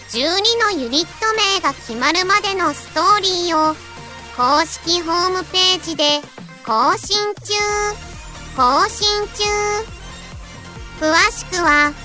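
An actor voicing a tiny, cute mascot creature reading a sing-song announcement. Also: very high voice.

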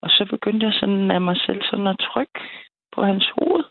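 Woman caller, gravelly, chatty storyteller who laughs often, tinny phone line, dry sound. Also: medium pitch, dry recording. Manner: lively, chatty, laughs between sentences. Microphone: telephone.

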